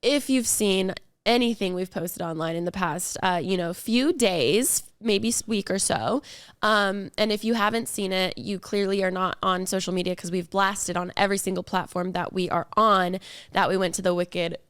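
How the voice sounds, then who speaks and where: A young woman co-hosting a podcast, chatting effusively while fighting a cold that leaves her voice a bit raspy. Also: medium pitch, normal speed, a bit bright, no echo, clean studio sound. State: has a cold, slightly raspy voice. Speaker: podcast co-host. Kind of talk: casual chat.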